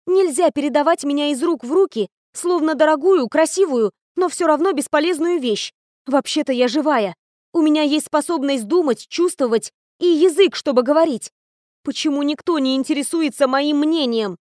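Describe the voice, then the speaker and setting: A woman voicing a young female student mage who protests loudly and with exasperation against being married off. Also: high-pitched, normal speed, dry recording, studio quality, pitched above the performer's own voice, close to an everyday voice. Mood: indignant.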